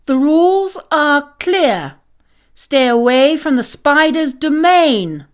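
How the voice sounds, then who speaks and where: A woman voicing a stern, commanding caterpillar matron in a children's storybook, speaking deliberately. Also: sits high, very animated, voice pushed up, exaggerated voice.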